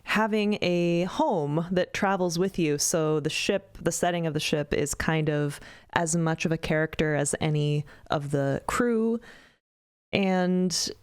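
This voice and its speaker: Lady with a really low voice chatting on a podcast, modest, dead dry mic. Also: a little slow, clear, resonant tone, dry recording. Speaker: illustrator and podcast co-creator. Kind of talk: casual roundtable chat.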